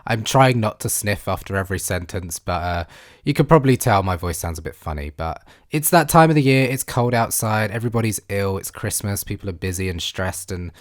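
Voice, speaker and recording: A man with a blocked nose from a cold, chatting casually as he narrates his gameplay as a game commentary voice-over. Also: mid-range voice. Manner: chatty, animated, self-narrating. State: congested, blocked nose from illness. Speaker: gaming YouTuber.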